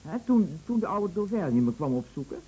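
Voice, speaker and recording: An actor playing a chatty, teasing, fretful bedridden husband in a radio play, stammering and musing with theatrical emphasis. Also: male voice, a little high, very animated, moderate pace, warm tone, breathy edge. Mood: fussy, needling. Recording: muffled old radio play recording, slight noise.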